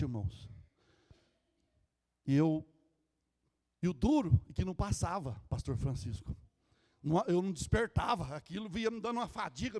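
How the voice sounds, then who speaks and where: A Brazilian pastor with a very high, strained voice preaches with fervent intensity, shouting his points before dropping to a hushed storytelling tone. His voice rings out through a large church hall with a long, lingering reverb. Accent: Brazilian Portuguese. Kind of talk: Pentecostal sermon, shouted preaching.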